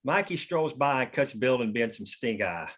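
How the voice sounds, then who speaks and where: A man's voice: medium pitch, sing-song, normal speed, fairly bright tone. Man reading screenplay stage directions. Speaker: stage directions reader at a script table read. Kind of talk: scripted narration.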